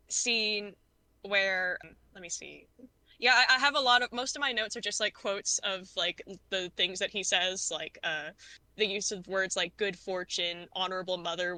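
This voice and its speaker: A woman chatting as a podcast guest, retelling her reactions in a lively way with many quoted asides. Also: mid-range voice, measured pace, no echo. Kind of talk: casual conversation about films.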